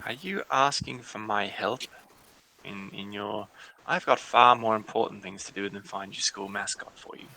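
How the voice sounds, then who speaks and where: A man's voice: lowish voice, normal speed, vocal fry, sharp tone, pitched below the performer's own voice, rough recording. A man voicing a wealthy, boastful, self-important father in a tabletop game, blustering and dismissive of his child's troubles.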